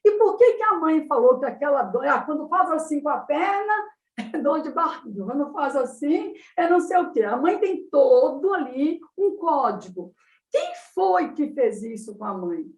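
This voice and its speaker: A woman psychologist with a Brazilian Portuguese accent, giving an animated talk on child development. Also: high-pitched, moderate pace. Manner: animated explaining, acts out mothers' baby talk. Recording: roomy sound, distant from the mic.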